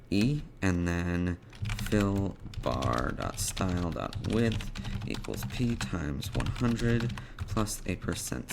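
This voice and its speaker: A man presenting an unscripted programming tutorial, thinking aloud in a halting way as he types out code. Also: sits low, creaky, background noise.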